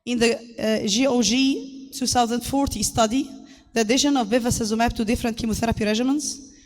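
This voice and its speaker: A woman with a harsh, hoarse voice gives a formal medical lecture as a conference speaker, in a halting, hesitant delivery. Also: fairly high pitch, fairly even intonation, a little mellow. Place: large conference hall. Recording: echoey hall, long reverb.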